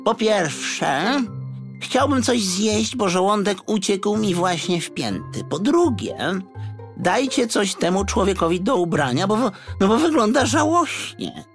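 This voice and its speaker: Storybook rat sidekick: squeaky, cocky, excitable, swooping pitch. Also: male voice, a little slow, soft background music, exaggerated voice. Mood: cheeky. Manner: cheeky, stammering when flustered. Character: boastful, jittery talking male rat sidekick.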